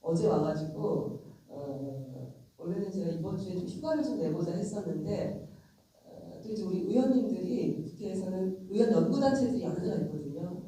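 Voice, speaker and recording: A woman's voice: lowish voice, dark tone, slight background noise. A middle-aged woman with a cold, a lawmaker giving a frank, conversational lecture straight to her audience. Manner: frank, emphatic, addresses audience directly. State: has a cold. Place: convention center lecture hall. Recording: very echoey hall, distant mic.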